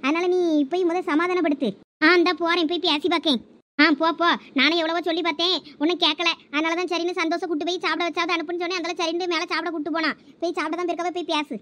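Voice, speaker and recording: A woman doing squeaky quarrelsome village women. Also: flat delivery, fast, a bit bright. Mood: bossy. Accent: Thoothukudi Tamil. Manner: quarrelsome, complaining. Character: bickering young village women and wives. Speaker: cartoon voice actor. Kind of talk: comic cartoon family drama.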